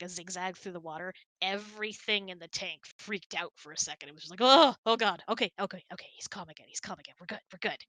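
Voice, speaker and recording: A giggly, chatty woman hosting a casual hangout, telling anecdotes and answering questions in an animated way. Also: on the low side, no room sound. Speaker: host of a couple's online hangout.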